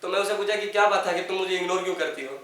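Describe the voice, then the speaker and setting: A man's voice: high-pitched, racing, fairly bright tone. A young man, an acting student, performing an improvised emotional monologue, pleading and grief-stricken as he calls out to his mother. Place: acting class room. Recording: very echoey room, voice from far off.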